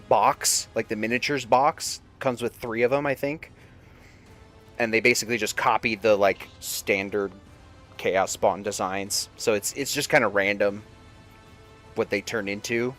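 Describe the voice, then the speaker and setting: Male game streamer, middle-pitched, chatty and sweary, game music underneath. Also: fairly bright tone. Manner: informal, profane, halting. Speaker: video game livestreamer. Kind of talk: casual gameplay commentary with lore asides. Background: video game music and sound.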